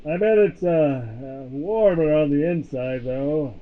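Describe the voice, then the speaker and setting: An actor playing a big, sweet, naive man who talks haltingly and bashfully in a comedy audio drama. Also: fairly high pitch. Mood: hopeful, shy. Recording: tinny muffled voice, as through wall.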